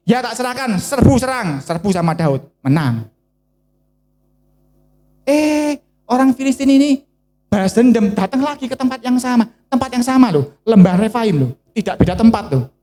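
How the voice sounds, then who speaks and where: Preacher, mellow warm tone, animated storytelling sermon. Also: high voice. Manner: animated storytelling with mixed local words.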